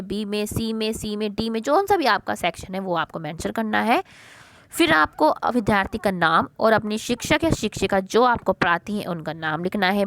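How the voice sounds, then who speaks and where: Higher-voiced woman teaching children. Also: fairly bright tone, no echo. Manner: coaxing teacherly talk, asks and answers own questions. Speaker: primary school teacher. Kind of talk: worksheet lesson for children.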